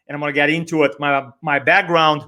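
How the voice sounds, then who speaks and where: Brazilian-accented male speaker trainer, middle-aged, fairly high voice, persuasive conversational delivery with emphatic repeats. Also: little pitch movement, a little fast, bright, forceful tone. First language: Portuguese. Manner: emphatic, repeats phrases, rhetorical questions. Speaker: guest, speaker trainer and business owner. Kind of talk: conversational motivational talk.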